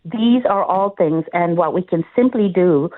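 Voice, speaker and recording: A female political candidate, speaking a little slowly in a lower register, pitches herself during a talk radio phone interview. The tinny line squeezes her voice, and her earnest, campaigning delivery is broken by frequent restarts and filler.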